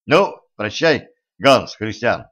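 A man's voice: on the low side, very animated, takes it slowly, fairly bright tone, husky, exaggerated voice. A man voicing a cocky, mocking young trainee. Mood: confident. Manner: confident, mocking.

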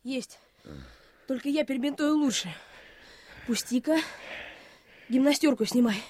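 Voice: high voice, measured pace, darkish tone, no echo. A performer playing a brave, earnest young boy in a wartime audio drama. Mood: reassuring.

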